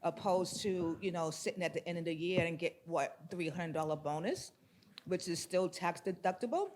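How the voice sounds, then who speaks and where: A man from the audience giving a loud, informal, rambling report back into a microphone in a conference room, laughing easily as he talks. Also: high-pitched, normal speed. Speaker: audience participant. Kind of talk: audience comment in a workshop. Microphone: handheld microphone.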